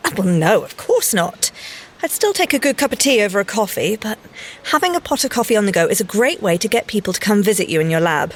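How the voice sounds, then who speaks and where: An actress playing a prim young English scientist agent in an audio drama, polite, precise and gently wry. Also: female voice, medium pitch, animated, fast, lightly acted. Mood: chatty, wry.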